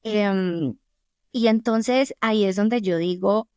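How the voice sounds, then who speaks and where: A woman's voice: mid-range voice, takes it slowly, mellow, clear, resonant tone, no room sound, studio quality. A middle-aged woman from Colombia with a Colombian accent, a podcast guest telling earnest personal stories in conversation. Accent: Colombian Spanish. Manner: earnest, anecdotal storytelling. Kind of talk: conversational interview.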